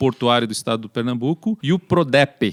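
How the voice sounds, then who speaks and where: This man has an interior Brazilian accent and a medium pitch with ordinary pitch variation. His moderate pace comes through in a dry, close sound with no echo. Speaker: computer science PhD, innovation enthusiast. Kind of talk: podcast panel discussion.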